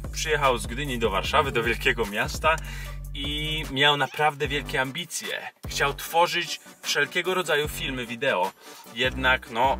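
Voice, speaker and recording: Over clear background music, a man speaks at a fairly slow pace, with a dry sound and no echo. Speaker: youtuber. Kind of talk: casual vlog storytelling. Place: car. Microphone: phone near.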